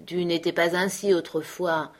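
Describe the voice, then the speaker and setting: A woman reading the part of a gruff, weary adult male trapper in a storybook, grumbling and dismissive. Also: lowish voice, little pitch movement, moderate pace, lightly acted.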